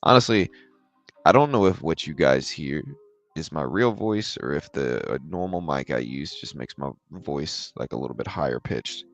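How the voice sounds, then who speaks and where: A man with a naturally very deep, low-pitched voice talks through market news on a live stream. He sounds tired, with a gravelly edge, and his explanations wander with fillers and restarts. Faint music plays underneath. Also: normal speed. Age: adult with a daughter. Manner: relaxed, rambling, filler-heavy explaining. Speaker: livestream trading host. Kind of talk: casual live market commentary, reading chat questions.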